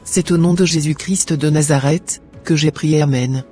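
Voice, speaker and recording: A man's voice: a little high, steady tone, normal speed, dark tone, soft background music, lightly acted. A man voicing a young Christian woman in a cartoon, earnest and plaintive, later grateful and pious. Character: young Christian woman Anne, torn over money.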